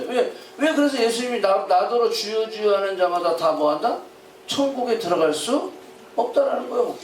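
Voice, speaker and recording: A man's voice: sits high, slight background noise. A male pastor preaching a sermon in a church sanctuary, often questioning the congregation and calling for their responses. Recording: roomy hall, voice from a distant mic.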